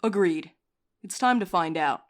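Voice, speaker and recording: A woman voicing a composed, wry courier in an audio drama, calmly taking charge and teasing the others. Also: lowish voice, unhurried. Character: dry, scheming woman courier, coolly in charge. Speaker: night courier Val.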